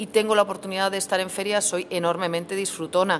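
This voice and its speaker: Noticeable noise sits in the background. A woman speaks at a fairly quick pace with fairly even intonation. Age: 50s. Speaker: writer and professor. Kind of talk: interview. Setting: book fair.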